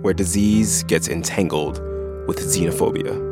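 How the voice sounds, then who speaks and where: A man's voice: sits low, measured pace, loud music behind the voice. A man co-hosting a podcast, explaining things in a conversational way, close to the microphone. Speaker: podcast co-host. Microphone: close studio microphone.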